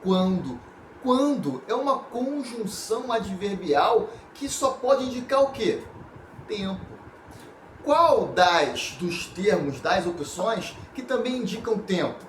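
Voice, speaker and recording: A Brazilian man with a high voice teaches an exam prep lesson, walking through each point and checking in with his class. He sits a little away from the mic in a roomy space that echoes. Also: lively intonation, takes it slowly, far from the mic, a little hiss or hum. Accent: Brazilian Portuguese. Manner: explains step by step, checks in with "ok?" and "galera". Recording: echoey room, voice a bit off mic.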